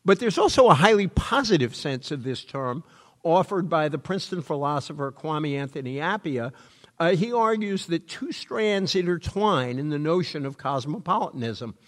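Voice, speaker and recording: A man from New England whose first language is French, reading a prepared lecture at a measured pace with frequent ums and uhs. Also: a little high, expressive. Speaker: speaker giving a public lecture. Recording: long hall reverb.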